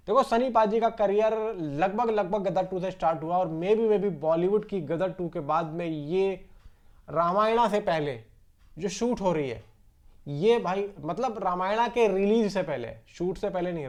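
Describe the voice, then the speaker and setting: A man's voice: sits high, darkish tone. A man giving casual, rambling film news commentary, chatting directly to his viewers like friends. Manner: conversational, rambling, addresses viewers as bro.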